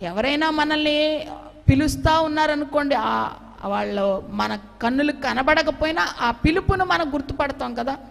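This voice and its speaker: Woman preacher, high voice, fervent sermon full of hallelujahs, recorded in an echoing hall. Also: animated, normal speed, creaky. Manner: fervent, punctuated by frequent hallelujahs; swings between loud exclamations and soft low asides. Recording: reverberant hall.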